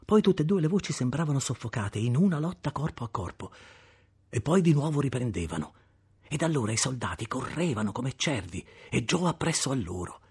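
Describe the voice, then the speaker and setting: A man reading a novel aloud with expressive, dramatic storytelling. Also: mid-range voice, brisk, breathy edge. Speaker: audiobook narrator. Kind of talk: scripted narration.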